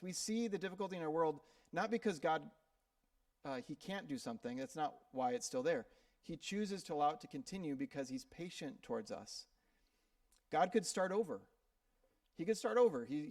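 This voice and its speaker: Brief: male pastor from Minnesota, slightly higher voice, conversational sermon delivery, dry sound with the mic set back from him. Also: expressive, moderate pace, darkish tone, dry recording, distant mic. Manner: conversational preaching with frequent fillers and repeated words. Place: church sanctuary.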